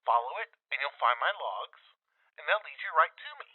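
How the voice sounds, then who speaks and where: A man acting in an audio drama as a grieving but hopeful father leaving audio logs in a wasteland, halting and tender, through a lo-fi recorder filter. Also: a little high, lively intonation, breathy edge, dry recording. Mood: fragile hope. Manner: halting, tender, sometimes dropping to a whisper. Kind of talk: full-cast audio drama, in-world audio log. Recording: tinny band-limited log recording.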